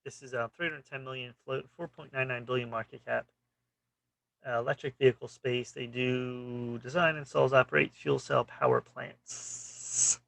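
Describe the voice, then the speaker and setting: Man, trading vlog host; gravelly, bright tone, dry close sound; casual clipped chart talk. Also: medium pitch, steady tone, normal speed, no room sound, poor audio. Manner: clipped, fragmentary phrases with frequent "you know". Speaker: stock trading channel host.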